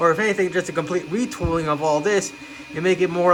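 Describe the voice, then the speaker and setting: Noticeable background noise lies behind a man whose voice is high-pitched. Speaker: 3D printing YouTuber. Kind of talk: casual tutorial vlog. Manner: halting, many filler words; slurred speech.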